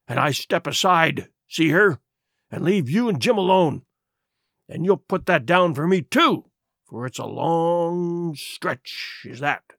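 A crafty old sea-dog pirate, as a male narrator puts him on, talking in rough sailor's slang with a wheedling edge. His voice swings widely up and down and sits a bit high, and the recording is dry and close. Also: expressive, slow pace, fairly bright tone, dry recording, heavily acted. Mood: earnest.

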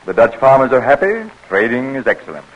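Blustering Dutch commissary. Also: male voice, mid-range voice, very animated, a little fast. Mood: confident. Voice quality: blustering, commanding. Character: proud hot-tempered Dutch fort commissary. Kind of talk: 1930s radio acting. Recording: dull lo-fi old radio recording.

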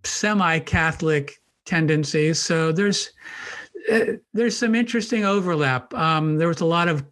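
A man in his sixties from Maryland, a New Testament professor talking as a podcast guest, measured and thoughtful with frequent restarts. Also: fairly high pitch, fairly bright tone. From Maryland, United States. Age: 60s. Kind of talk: conversational podcast interview.

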